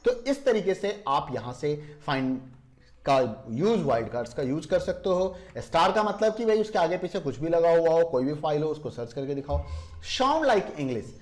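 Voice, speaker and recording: A man, his voice sitting a little high, walks through a screen-recorded software lesson. He slows down deliberately when defining terms. He keeps asking viewers whether they can see what he means. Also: very animated. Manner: explains step by step, asks viewers rhetorical checks. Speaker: computer tutorial teacher.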